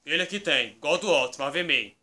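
A man's voice: a little high, expressive, fast talker, pushed and bright. A man with a Brazilian accent playing a talkative toy bull who hosts an improvised puppet skit, rambling and often appealing to the viewers. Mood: insistent. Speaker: host.

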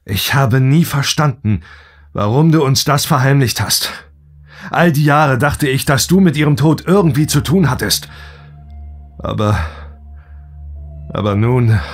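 A man's voice: medium pitch, measured pace, pauses often, slightly rough, faint music behind. A man acting a devoted, troubled grown son in a German audio drama, speaking earnestly and hesitantly.

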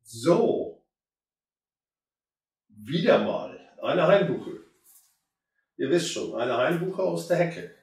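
A hoarse man in his fifties with a cold, chatting casually to viewers as he works on a plant. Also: a little high, drawn-out words, long pauses, far from the mic. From Germany. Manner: relaxed, chatty, addresses viewers directly. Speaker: bonsai hobbyist. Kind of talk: casual how-to commentary while working. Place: indoor room with curtain backdrop. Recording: very echoey room, voice off-mic.

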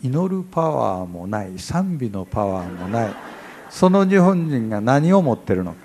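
A man in his sixties preaching a sermon as pastor, chatty and humorous, acting out little dialogues and swinging from quiet asides to loud bursts. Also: mid-range voice, very animated, moderate pace, a little hiss or hum.

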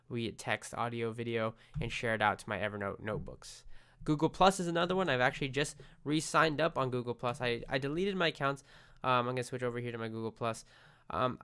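Congested, fast-talking man. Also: medium pitch, fairly bright tone, clean tone. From United States. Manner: chatty, restarts often, friendly asides. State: congested from a cold. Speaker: tech vlogger. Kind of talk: casual screencast walkthrough.

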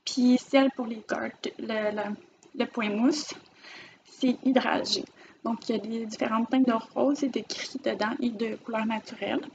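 A woman's voice: fairly high pitch, fairly even intonation, a little slow, vocal fry, lo-fi sound, noisy background. A woman with a Quebec French accent, chatting casually on camera as she shows off her finished knitting projects. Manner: chatty, rambling, warm about her projects. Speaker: knitting vlogger. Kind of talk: casual show-and-tell vlog. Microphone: camera mic, filming herself.

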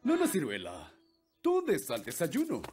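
A man's voice: a little high, huge pitch swings, normal speed, darkish tone, soft background music. A man voicing a grumpy, pompous, demanding fairy king in a cartoon, with a Latin American Spanish accent. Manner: pompous, imperious. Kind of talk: animated cartoon dub.

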